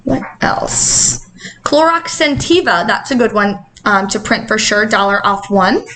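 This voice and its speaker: A woman's voice: medium pitch, lively intonation, measured pace, a bit bright, a little hiss or hum, poor audio. A woman hosting a casual, chatty, upbeat coupon vlog, her articulation slightly altered by wearing dental retainers.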